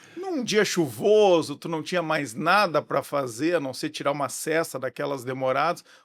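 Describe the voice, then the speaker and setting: Moderate in pace with hardly any pauses, a man speaks at a fairly high pitch with ordinary pitch variation in a plain, everyday voice, on a very clean recording with a silent background. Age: 50s. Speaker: podcast host. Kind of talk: interview.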